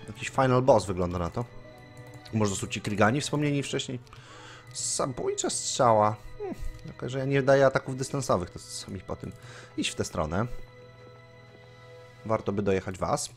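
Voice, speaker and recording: Male let's play host, chatty, casual swearing, very animated pitch, game music faint behind. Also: a little fast. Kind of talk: casual gameplay commentary.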